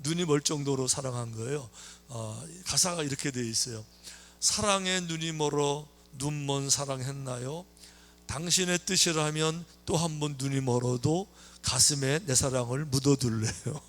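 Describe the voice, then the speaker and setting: A man preaching a sermon as a pastor, telling stories in a lively way, acting out the characters' lines and tossing questions at the congregation. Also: medium pitch, normal speed. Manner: lively storytelling, acting out quoted lines, chatty asides to the congregation. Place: church sanctuary.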